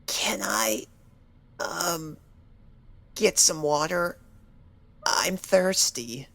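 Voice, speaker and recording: A woman's voice: low voice, lively intonation, extremely slow, heavily acted. A woman voicing a timid, frightened young pony, speaking hesitantly with stammers and apologies in an audio story. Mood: timid, nervous. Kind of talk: dramatic audio story acting.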